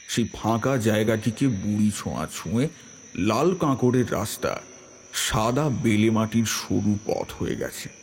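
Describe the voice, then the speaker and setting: A man narrating a scripted horror story in a slow, measured, atmospheric way. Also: on the low side, creaky, a little mellow, a little hiss or hum.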